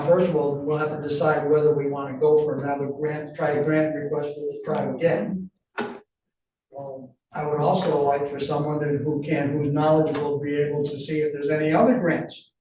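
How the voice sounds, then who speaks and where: A man with a New England accent speaking at a public meeting as a board member, halting, with many restarts and fillers. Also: a little high, little pitch movement, darkish tone. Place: county meeting room. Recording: roomy, distant, dull sound with faint noise.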